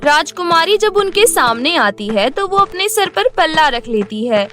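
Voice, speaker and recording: Lady narrator reading a kids story, really high voice, music playing behind. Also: big pitch swings, measured pace, sharp tone. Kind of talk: scripted children's story narration.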